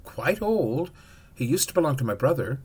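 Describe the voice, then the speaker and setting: A man's voice: mid-range voice, big pitch swings, moderate pace, darkish tone, breathy edge, pitched above the performer's own voice. A man voicing a defensive teenage boy wizard, reading his lines plainly with a mumbled edge as part of a storybook passage. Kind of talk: audiobook-style reading.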